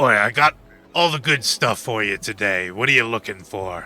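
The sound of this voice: A man puts on a gruff character voice at a medium pitch. He keeps a moderate pace.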